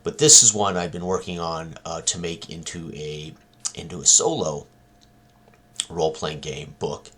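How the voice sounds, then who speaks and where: A man with an extremely deep voice that still has a bright, edgy tone and a husky grain. He talks about his own tabletop game in a casual, halting way, full of ums and uhs. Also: fairly even intonation.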